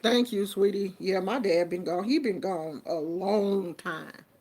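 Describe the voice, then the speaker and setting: A woman's voice: medium pitch, a little slow, a little mellow. A woman, hosting a casual, chatty talk with viewers in an informal manner. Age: 50s. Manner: chatty and informal, with colloquial phrasing. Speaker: host. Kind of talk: casual live chat with viewers.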